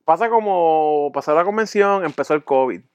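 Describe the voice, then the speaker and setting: A man telling a crude story in a podcast chat, profane and animated, acting out voices and sounds. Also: a little high, moderate pace, dry recording, highs cut off.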